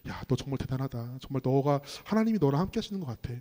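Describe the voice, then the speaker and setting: A man voicing a sly, mocking male devil who taunts and tempts. He speaks low and hushed. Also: expressive, rapid-fire, lightly acted. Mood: taunting. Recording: long reverb in a hall.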